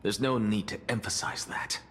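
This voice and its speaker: A man voicing a proud, aloof male scholar in a video game, haughty and dismissive, with a husky voice. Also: fairly low pitch, normal speed, fairly bright tone. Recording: game audio under music.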